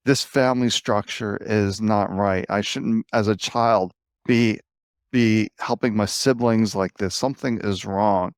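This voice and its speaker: A man's voice: lowish voice, smooth, no room sound, studio quality. Sympathetic male podcast host. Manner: sympathetic, recaps guest's story. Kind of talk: interview questions.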